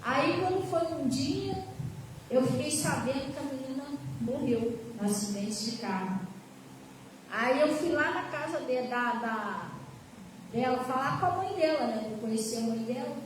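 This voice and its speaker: A woman's voice: high voice, expressive, a little slow. A woman pastor preaching a sermon, telling a story emphatically and turning to the congregation. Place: church hall. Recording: echoey hall from far off, faint noise.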